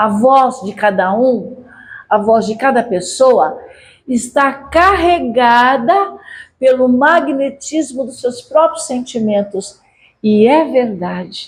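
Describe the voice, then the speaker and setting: Very slow in pace, a woman speaks in a high pitch with lively intonation. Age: 70s. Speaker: spiritist lecturer. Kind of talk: lecture. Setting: lecture hall with audience.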